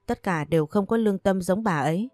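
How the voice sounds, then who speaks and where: A woman voicing an anxious, protective young female friend who talks in a hurried, worried way. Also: medium pitch, a little mellow, no room sound, clean studio sound, soft background music, lightly acted. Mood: fussy.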